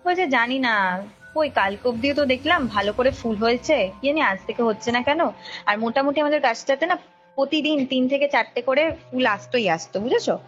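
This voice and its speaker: A woman's voice: sits high, lively intonation, brisk. A young woman telling a personal story casually over a phone call, repeating phrases for emphasis. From India. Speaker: caller recounting a ghost story. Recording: dull lo-fi call recording, music behind. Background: background music.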